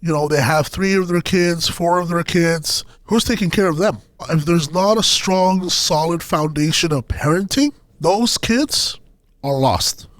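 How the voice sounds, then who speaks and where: A man from Sudan speaking as a podcast guest, telling his personal story in a halting, hesitant way. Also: a little high, dry recording.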